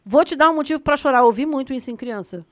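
Lively high-voiced Brazilian woman podcaster. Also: very fast. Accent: Brazilian Portuguese. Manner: animated, swearing, frequent laughter. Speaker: podcast co-host. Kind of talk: casual chat.

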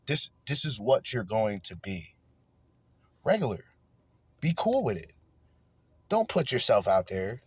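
A man's voice: mid-range voice, no echo. A man hosting a podcast, ranting crudely and angrily in heated commentary. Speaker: podcast host.

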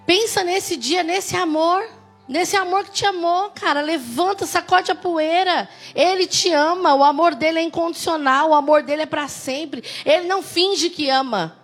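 A woman's voice: very high voice, normal speed, soft background music. Emphatic Brazilian woman pastor preaching. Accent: Brazilian Portuguese. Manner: emphatic, conversational preaching with rising exclamations. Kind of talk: sermon.

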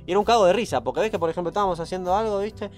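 A young man with a Rioplatense Spanish accent chatting casually, telling animated, slangy stories and laughing often. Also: high-pitched, racing, faint music behind. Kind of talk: casual chat.

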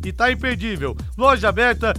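A man from a radio sports show, hosting and reading an ad as an infomercial-style sales pitch. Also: lively intonation, brisk, sharp tone, soft background music.

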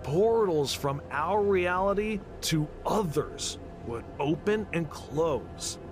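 Casting: casual, suspenseful spooky-tale teller for audio drama, unhurried, lightish pitch. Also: male voice, lively intonation, over music. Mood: eerie, suspenseful. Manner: hesitant, dramatic pauses, slangy asides. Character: casual, foul-mouthed man telling a spooky campfire story.

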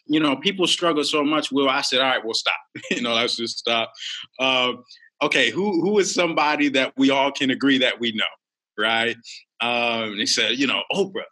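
A man guest telling motivational stories in an energetic, animated way with frequent ums. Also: fairly high pitch, low-quality recording. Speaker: guest author. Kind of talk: motivational storytelling.

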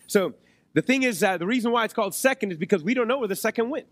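Male preacher, high-set hoarse voice, conversational sermon delivery with rhetorical check-ins, dry close-mic sound. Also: expressive, quick pace, no echo. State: hoarse, losing his voice, occasional cough. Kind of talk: sermon to a congregation. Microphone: close microphone on a PA.

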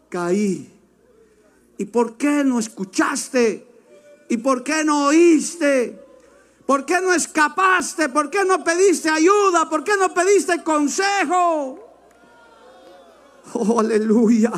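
Preacher guy, really high voice, shouting then dropping low, fired up. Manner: impassioned preaching, swinging between shouts and low asides. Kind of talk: sermon.

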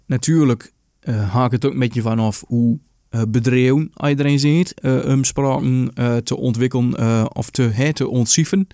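Hesitant Low man, dry sound. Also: steady tone, normal speed, mellow, no room sound. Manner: hesitant, rephrases each line with many fillers. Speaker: podcast host. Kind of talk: reading an old text aloud and translating it.

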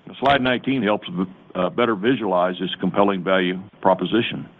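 A man presenting as a company executive on an earnings call, reading a prepared script in a formal, measured way. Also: low-pitched, a little hiss or hum. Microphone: conference call phone line. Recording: tinny narrow-band phone line.

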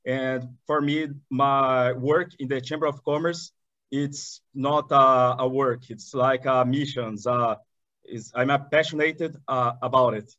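Enthusiastic Brazilian man, halting speech. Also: mid-range voice, fairly even intonation, sharp tone, dry recording, lo-fi sound. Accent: Brazilian Portuguese. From southern Brazil. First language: Portuguese. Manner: enthusiastic, halting with many restarts. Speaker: guest, chamber of commerce director. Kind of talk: podcast interview.

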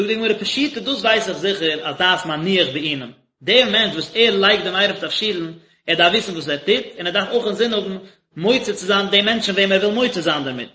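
A man's voice: high voice, bright, forceful tone. A man, a rabbi, teaching a daily religious text lesson and explaining it phrase by phrase in short bursts. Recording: echoey, dull lo-fi recording.

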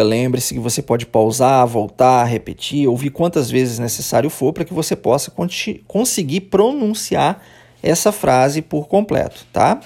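A man's voice: mid-range voice, gravelly, dark tone, breathy edge. A man with a Brazilian Portuguese accent, teaching English on a lesson podcast, explaining patiently and drilling phrases aloud.

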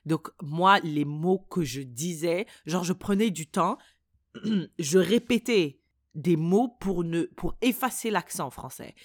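A woman's voice: fairly low pitch, slow, no echo, clean studio sound. A native French-speaking woman co-hosting a podcast, chatting casually and emphatically with slang, switching between French and English as she tells stories. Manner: animated storytelling, slangy, emphatic. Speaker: podcast co-host.

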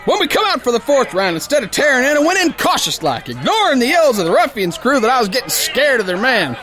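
A brash, none-too-bright sailor prizefighter spins his pulp radio-play tale in rough, folksy diction. His voice sits very high for a man and has a hard, bright edge. The delivery is boisterous and exclamatory, with lively swings in pitch. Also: fast, faint music behind, exaggerated voice. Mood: musing. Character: brash, hot-headed, dim-witted brawling male sailor boxer telling his tale. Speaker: audio drama narrator and lead actor. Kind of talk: theatrical first-person pulp story narration.

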